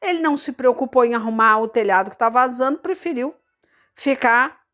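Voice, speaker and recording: A woman preacher with a Carioca accent tells her own testimony in a loose, talkative sermon. Her voice sits a little high, and she keeps repeating words and checking in with her listeners as she goes. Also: animated, a little fast, fairly bright tone. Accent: Carioca Brazilian Portuguese. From Rio de Janeiro, Brazil. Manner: conversational, repeats words, many fillers and asides to the congregation. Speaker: missionary preacher. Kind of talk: informal sermon with personal testimony.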